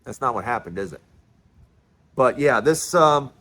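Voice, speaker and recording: A man's voice: mid-range voice, animated, measured pace, sharp tone. A man in his early sixties giving an emphatic, passionate monologue, often repeating and restarting words. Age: 60s. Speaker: commentary host.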